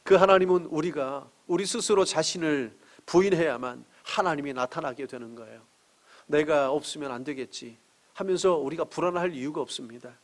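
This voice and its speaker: A middle-aged man preaching a sermon as pastor, earnest, asking rhetorical questions and swinging between emphatic rises and soft drops. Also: fairly high pitch, a little fast, few pauses.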